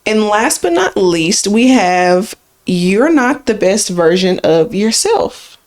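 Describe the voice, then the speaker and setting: A woman co-hosting a podcast, talking through the topic in a relaxed, chatty way. Her voice sits in the middle range and she leans on words for emphasis now and then. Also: medium pitch, slow pace. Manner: conversational, rambling, lively emphasis. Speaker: podcast co-host. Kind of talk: casual podcast chat.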